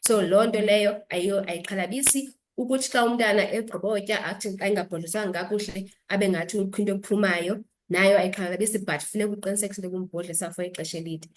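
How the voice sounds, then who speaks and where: A woman's voice: medium pitch, steady tone, fast talker, hardly any pauses, slight background noise. A woman doctor with a South African accent explaining health advice as an interview guest, instructive and switching between two languages.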